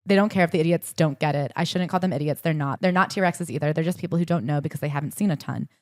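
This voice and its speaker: A young woman co-hosting a podcast, summarizing a book and reading passages aloud in a brisk, chatty way. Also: sits low, no echo, clean studio sound. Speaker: podcast co-host. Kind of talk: casual book-club chat with read-aloud passages.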